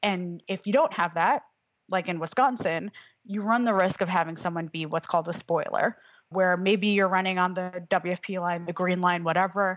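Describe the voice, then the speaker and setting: In an American accent, a woman with an ordinary speaking voice speaks at a moderate pace in a medium pitch with fairly even intonation, against a quiet background. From US Northeast, Queens, New York. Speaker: political organizer. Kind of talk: casual chat.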